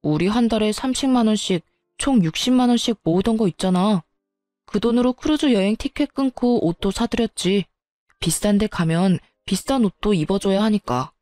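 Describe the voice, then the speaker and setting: A sneering, arrogant married man who answers every complaint with dismissive insults, voiced by a woman reading a storybook tale. The tone is soft and mellow, recorded dry and close. A faint music bed plays underneath. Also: medium pitch, normal speed, no echo, close to an everyday voice. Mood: offhand.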